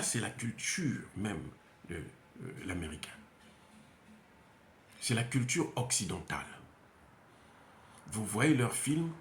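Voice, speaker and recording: Male, Central African French accent, emphatic and repetitive, lively pitch, echoey room. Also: a little hiss or hum. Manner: emphatic, repetitive, many hesitations. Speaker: commentator. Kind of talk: unscripted monologue. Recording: roomy echo.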